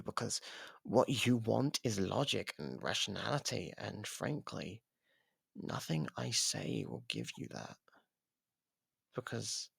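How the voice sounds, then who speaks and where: A man playing a sardonic, taunting imprisoned murderer in an ASMR roleplay, with a gravelly, husky voice and theatrical pauses, close on the mic. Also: medium pitch, no room sound, full character voice. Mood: cold, dismissive. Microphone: close microphone, dry.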